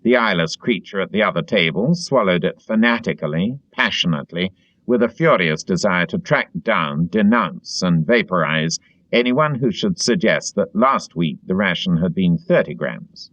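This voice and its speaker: Expressive, lower-pitched male audiobook narrator. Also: normal speed, no room sound, lo-fi sound. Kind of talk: scripted literary narration.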